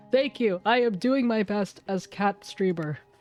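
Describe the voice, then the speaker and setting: Over music in the background, a female-sounding voice in a put-on character voice talks at a moderate pace, nasal and at a medium pitch for a woman. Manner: playful, pretend.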